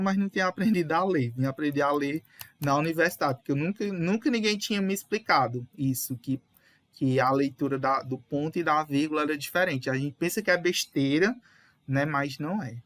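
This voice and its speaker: A man's voice: fairly high pitch, a little fast, fairly bright tone, no echo. A young man explaining a lesson casually and patiently, correcting readers and dropping lots of fillers. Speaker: teacher leading a reading session.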